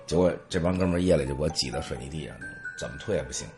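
Low-voiced man telling stories. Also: very fast, music in the background. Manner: humorous, anecdotal, lively. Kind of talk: storytelling monologue.

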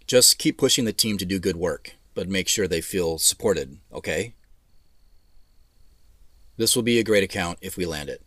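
An actor playing a weary, polite tech CEO dictating messages in short, measured, businesslike phrases. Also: male voice, low voice, bright, forceful tone, no room sound, exaggerated voice. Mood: conciliatory, businesslike.

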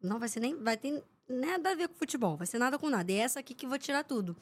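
A young woman speaks very fast in a high voice. She's a sports reporter guesting on a podcast, lively as she tells anecdotes and acts out what people in her stories said.

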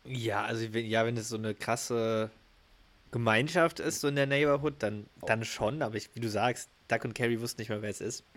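A man's voice: medium pitch, moderate pace, fairly bright tone. A man co-hosting a podcast, chatting casually with short replies and agreeing remarks. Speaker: podcast co-host.

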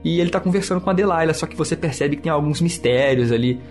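A man's voice: on the high side, quick pace, a little mellow. A man with a Brazilian Portuguese accent hosting a podcast in casual, slangy, enthusiastic review chat. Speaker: podcast host. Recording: music behind the voice.

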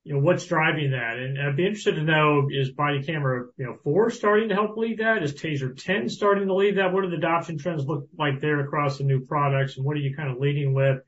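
Higher-pitched man on a muffled call. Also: fast, few pauses, a bit bright. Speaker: analyst asking questions. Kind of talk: conversational earnings call question. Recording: dull, lo-fi conference-call audio.

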